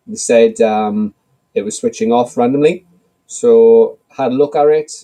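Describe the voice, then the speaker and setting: A man's dark, mellow voice, fairly high in pitch, with very wide swings up and down. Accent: Sunderland. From northeast England, near Sunderland. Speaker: computer repair shop owner. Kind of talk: live show discussion.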